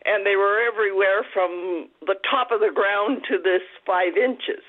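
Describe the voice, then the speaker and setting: A woman calling in to a radio show on speakerphone, telling her story haltingly with many pauses. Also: medium pitch. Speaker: radio call-in caller. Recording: tinny speakerphone line, somewhat distant.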